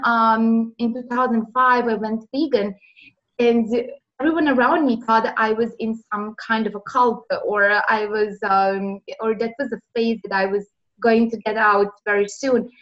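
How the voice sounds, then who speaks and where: A woman from Serbia, answering interview questions earnestly with many pauses, heard over a remote call. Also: fairly high pitch, fairly even intonation, dull audio. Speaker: interview guest.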